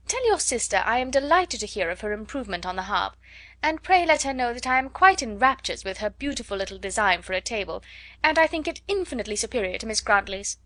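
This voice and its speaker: A woman voicing a flattering young society lady who gushes with eager praise. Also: a little high, quick pace, dry recording. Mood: gushing. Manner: gushing, fawning praise.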